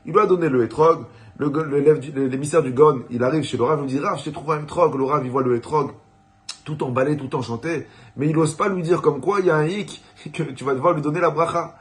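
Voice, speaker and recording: A man's voice: a little high, fast. A man, a rabbi, giving a weekly Torah talk that moves from storytelling into earnest exhortation.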